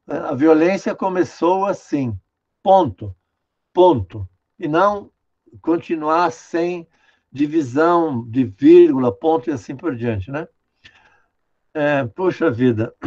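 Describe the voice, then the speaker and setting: An older man from Brazil, a linguistics professor giving an online lecture, patiently explaining a student's writing and tagging sentences with "né?". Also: fairly high pitch. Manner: patient, explanatory, many "né?" tags, directs the screen operator. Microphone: video call. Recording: dull lo-fi video call audio.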